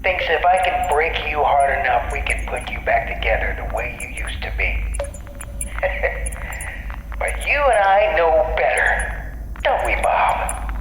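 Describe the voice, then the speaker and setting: Whispery, slow, sadistic demon jailer. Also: male voice, on the high side, a bit bright. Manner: taunting, drawn-out, menacing. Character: gloating, sadistic, ancient male demon jailer. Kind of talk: audio drama villain acting. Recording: echoing, with faint background noise.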